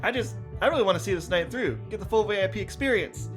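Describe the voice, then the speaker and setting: A man's voice: sits high, lively intonation, fast, over music. A man voicing an eager, slightly anxious young concertgoer in a hobby audio drama, earnest and keen to feel important.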